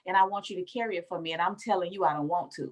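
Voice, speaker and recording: A woman's voice: on the low side, rapid-fire. A woman from the Bahamas talking as an interview guest, telling her story emphatically and calling the listener baby. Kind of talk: casual interview conversation.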